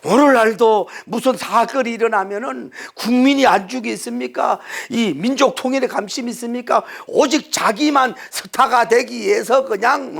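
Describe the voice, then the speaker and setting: Male pastor, sermon, heavily gravelly voice, rhetorical questions, loud to hushed. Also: very high voice.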